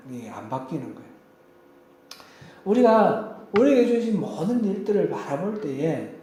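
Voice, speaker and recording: A male pastor preaches in a church hall, and his voice rings out with heavy echo. His pitch sits a little high and moves a lot, but the tone stays mellow and soft-edged. He tells stories in an easy, conversational way. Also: a little hiss or hum. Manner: tells personal anecdotes in a conversational tone. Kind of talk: sermon. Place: church sanctuary.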